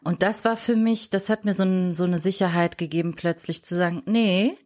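Low-voiced woman telling her story. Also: a little fast, a little mellow. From Germany. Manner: reflective, searching for words mid-sentence. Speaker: interview guest. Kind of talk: personal storytelling in a podcast interview.

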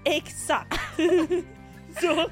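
A young woman co-hosting a casual podcast chat, animated and swearing, acting out what others said. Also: very high voice, faint music behind. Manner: animated, swears, acts out quotes. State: pregnant. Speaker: podcast co-host.

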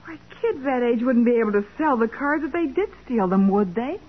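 An actress playing a spirited, independent young secretary with an American accent, outspoken and teasing in 1940s radio style. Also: female voice, a little high, lively intonation, fairly quick. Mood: concerned. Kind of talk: 1940s radio drama acting. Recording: tinny, narrow vintage radio recording.

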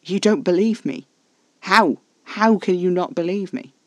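A man's voice: mid-range voice, steady tone, moderate pace, a little mellow, no echo, close to an everyday voice. A man voicing an intense, haughty male vampire. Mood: frustrated, angry. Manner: haughty, exasperated, formal wording. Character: intense, frustrated, possessive male vampire with formal speech.

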